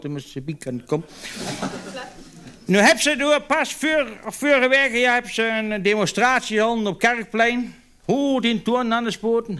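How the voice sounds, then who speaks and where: A man's voice: sits high, a bit bright, clear, resonant tone. A man doing stand-up comedy. He tells long joke stories in a chatty way, trips over repeated little words at the start, and slips into voices for the people in the stories. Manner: switches into character voices for quoted dialogue.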